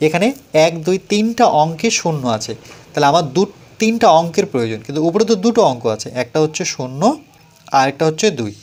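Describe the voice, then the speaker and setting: A male math teacher with a West Bengal Bengali accent walks through a lesson slowly, counting steps aloud and asking himself questions before he answers them. His voice sits a little high for a man. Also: animated, darkish tone. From West Bengal, India. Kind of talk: step-by-step classroom explanation.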